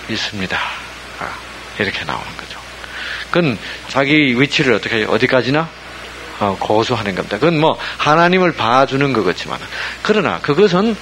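Animated man preaching, faint hiss. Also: fairly high pitch, rough recording. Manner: animated, asks listeners rhetorical questions constantly. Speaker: pastor. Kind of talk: sermon with call-and-response questions.

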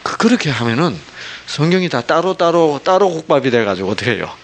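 Male pastor preaching, voice jumps all over in pitch, keeps asking the crowd questions, bit of faint hiss behind. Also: a little fast. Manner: rhetorical questions to the congregation, lively swings from loud to hushed. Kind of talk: sermon.

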